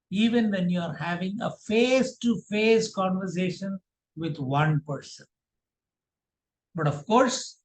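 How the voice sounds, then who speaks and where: A man with a fairly high voice delivers a workshop talk as a speaking coach. His delivery is measured and didactic, with deliberate emphasis on his key points. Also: rough recording. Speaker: public speaking trainer. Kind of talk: prepared workshop presentation.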